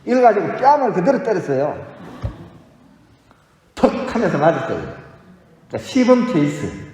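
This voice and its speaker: A man's voice: medium pitch, warm tone. A man, a Catholic priest, giving a homily to his congregation, telling stories and often asking the listeners questions. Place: large church. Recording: echoey church hall with long reverb.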